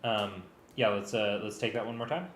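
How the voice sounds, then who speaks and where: A man's voice: on the low side, normal speed, a little hiss or hum. A man directing a rehearsal and script read-through in casual, practical talk. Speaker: director reading all parts to cue musicians. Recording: roomy space with loud string music. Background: violin and string music being rehearsed.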